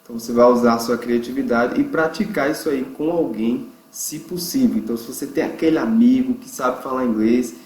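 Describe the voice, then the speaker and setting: A man from Brazil leads an online English lesson at a mid pitch. He stops often to stretch out example words slowly for learners to repeat. His voice bounces around a noticeably echoey room. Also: a little mellow. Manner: slow, drawn-out pronunciation drills. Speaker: English teacher.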